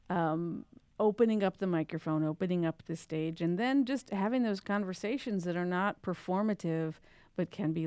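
A woman's voice: lowish voice, dark tone, smooth, no room sound. A woman hosting a radio interview, drawing her guests out with encouraging questions. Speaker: radio host.

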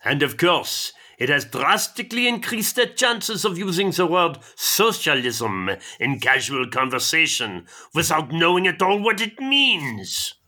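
Haughty French intellectual, French accent, very slow, sharp bright tone. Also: male voice, fairly high pitch, very animated, exaggerated voice. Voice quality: haughty, sardonic. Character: gloomy French existentialist complainer. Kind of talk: radio comedy sketch.

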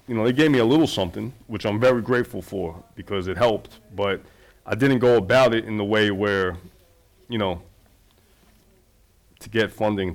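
Lower-voiced man, loose and rambling. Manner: loose, rambling, fillers and restarts. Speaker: documentary filmmaker. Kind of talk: casual conversation.

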